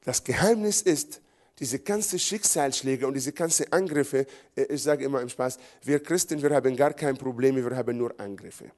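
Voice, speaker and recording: A man's voice: mid-range voice, normal speed, darkish tone. A middle-aged man from Israel, preaching a sermon emphatically in repeated phrases. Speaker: pastor.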